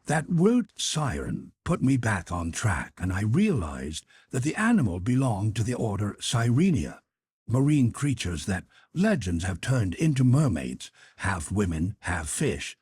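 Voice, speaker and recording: A male audiobook narrator reading a classic novel. His voice is lowish and very husky, with a slow pace and expressive delivery. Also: no echo, studio quality.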